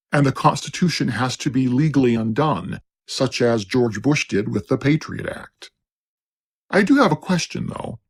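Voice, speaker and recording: A man reading scripted narration in a steady, declaiming cadence. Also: medium pitch, creaky.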